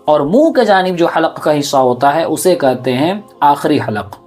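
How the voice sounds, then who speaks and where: A man teaching Quran letter pronunciation, explaining where each sound is made and repeating every letter sound slowly several times. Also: fairly high pitch, animated, darkish tone, soft background music.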